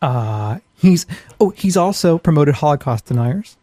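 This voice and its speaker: A man with a fairly high voice talks as a podcast co-host. He is blunt and opinionated, swearing as he rants in a casual way. The sound is dry, with very little room in it. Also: expressive, measured pace, dark tone, no room sound. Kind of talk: ranting casual podcast talk. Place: small home office.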